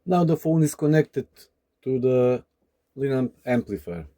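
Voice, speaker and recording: A man narrating a scripted tech tutorial as its presenter, with deliberate, halting phrasing. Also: medium pitch, big pitch swings, dark tone. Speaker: presenter demonstrating a DIY electronics project.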